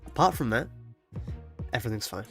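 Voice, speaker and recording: A young man with a heavy cold talks through a live stream, his voice nasal and blocked up with a gravelly fry underneath. He keeps his volume down and the energy low, laughing quietly and swearing at the game, while faint game music plays behind him. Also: animated, measured pace. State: stuffy nose from a cold. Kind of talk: casual live-stream chat while playing.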